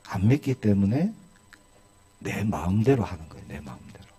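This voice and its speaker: A man's voice: on the low side, big pitch swings, normal speed, mellow. A male pastor preaching a sermon in a church, asking his congregation one rhetorical question after another.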